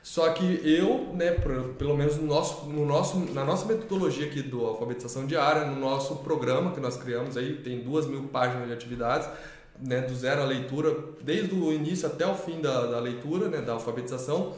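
A man's voice: medium pitch, fairly quick, darkish tone. A man co-hosting a talk on teaching children to read, rambling with many restarts and tag questions. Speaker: co-host of a literacy channel. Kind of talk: casual explanatory talk. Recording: echoey room.

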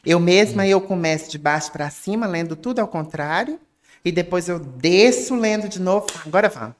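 A woman with a Brazilian Portuguese accent, a guest actress in casual podcast chat, animated and laughing often. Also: lowish voice, moderate pace, a little hiss or hum.

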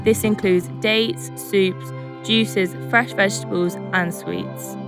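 A woman's voice: mid-range voice, fairly even intonation, takes it slowly, music in the background. A woman intern reading out a scripted segment of facts, posing quiz-like questions as she goes. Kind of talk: read-out fact segment.

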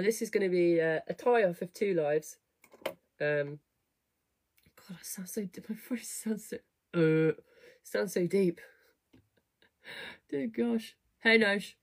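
A woman hosting a fitness studio livestream, chatting casually to viewers in a slightly croaky, rough voice, rambling with lots of fillers. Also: deep voice. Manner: chatty, rambling, self-deprecating, many fillers. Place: home, at a desk. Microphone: webcam or computer mic at a desk.

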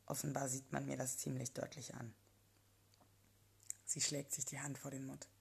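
A woman narrating a first-person erotic story in a calm, intimate storytelling manner. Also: rumbling low, moderate pace, gravelly, breathy edge.

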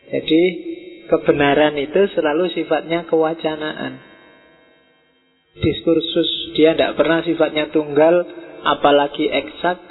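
A middle-aged man giving a relaxed, conversational philosophy lecture to students and slipping into Javanese words. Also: on the high side, slightly rough. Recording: tinny phone-like audio in a reverberant hall.

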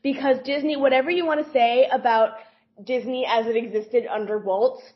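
Swearing, animated woman on a dull podcast line. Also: high-pitched, normal speed. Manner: animated, swears freely, laughs often. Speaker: podcast co-host. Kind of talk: casual chat.

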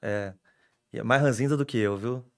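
A young adult man, a sports reporter telling stories in an excitable, animated way on a casual podcast. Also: medium pitch, moderate pace.

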